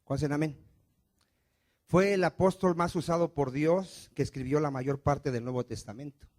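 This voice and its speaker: A man preaching a sermon as pastor, asking the congregation questions and answering them himself, moving between loud emphatic lines and soft low ones. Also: normal speed. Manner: call-and-response preaching, asks congregation questions.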